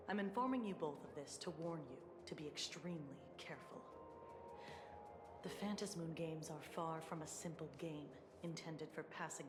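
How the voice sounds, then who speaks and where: A woman's voice: fairly low pitch, echoey room, noisy background, close to an everyday voice. An actress playing a weary, formal female investigator in a video game, with a dry, matter-of-fact manner. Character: weary, businesslike female defense department investigator, dryly sardonic. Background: game music.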